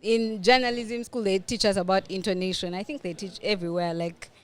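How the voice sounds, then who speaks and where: A woman with a Ugandan accent speaking in casual podcast chat, explaining things in an animated way and acting out her examples. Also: mid-range voice, a little fast. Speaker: guest, media personality and podcaster.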